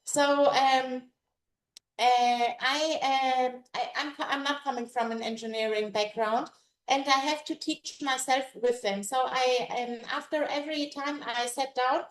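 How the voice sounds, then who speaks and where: A woman whose first languages are Greek and German gives a conference presentation in English as a language teacher. She talks haltingly, searching for words and restarting often. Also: high voice, steady tone. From Greece. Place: conference room. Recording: echoey room.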